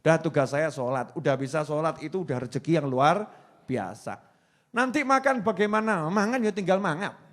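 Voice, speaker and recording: A man's voice: fairly high pitch, lively intonation, a little fast, a bit bright. A man in his forties with a Javanese accent, preaching a playful Islamic sermon and acting out the voices he quotes. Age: 40s.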